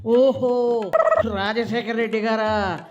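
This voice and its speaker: A man's voice: high voice, fairly even intonation, slow pace, heavy background noise. A man hosting a satirical comedy segment, teasing in a sing-song way. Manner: teasing, sing-song, keeps tacking on a fond "babu". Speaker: satirical show host. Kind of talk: mocking comedy commentary. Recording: dull lo-fi voice-over with background music.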